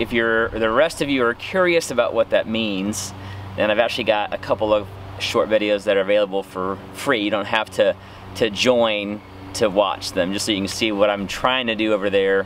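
A man with an ordinary speaking voice talks at a fairly low pitch with fairly even intonation. The sound is dry with no echo, and there is light background noise. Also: moderate pace. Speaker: DIY channel host. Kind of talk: casual vlog chat. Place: garden.

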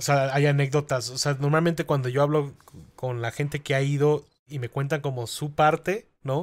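In a Mexican accent, a man talks at a moderate pace with a fairly high pitch and fairly even intonation, recorded very cleanly against a silent background. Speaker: gaming journalist and event organizer. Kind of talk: casual chat.

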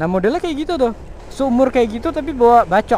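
A man's pitch swings very widely as he talks fairly quickly, with noticeable noise in the background. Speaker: motovlogger. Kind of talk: vlog monologue while riding. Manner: casual slangy.

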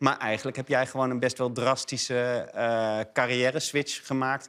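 At a fairly slow pace, a man talks at a medium pitch against a quiet background. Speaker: screenwriter and director. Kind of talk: casual chat. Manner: halting. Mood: thoughtful, somewhat dismayed. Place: studio.

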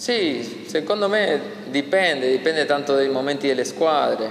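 Light background noise and audible room echo run through the clip. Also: man. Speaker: professional footballer. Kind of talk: press conference. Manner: halting, frequent repetitions. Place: meeting room. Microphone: podium.

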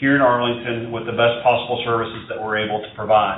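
Audible room echo surrounds a man's voice. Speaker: city manager. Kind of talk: public budget presentation and Q&A. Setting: telephone town hall. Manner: halting, many filler words.

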